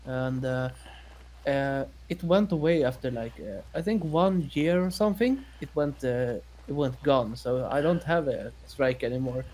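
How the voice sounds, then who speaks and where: A man from Sweden with a Swedish accent chats casually and haltingly in his second language, in an easygoing way. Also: medium pitch, a little mellow. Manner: halting, easygoing, quick to laugh. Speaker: guest co-streamer. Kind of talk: casual chat.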